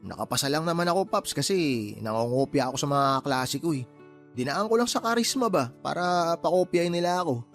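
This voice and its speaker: Playful teasing friend, radio drama, lively swooping pitch, light music behind. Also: male voice, brisk. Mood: joking. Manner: playful, wisecracking, laughs often. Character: joking, teasing male friend and sidekick. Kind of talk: Tagalog radio drama acting.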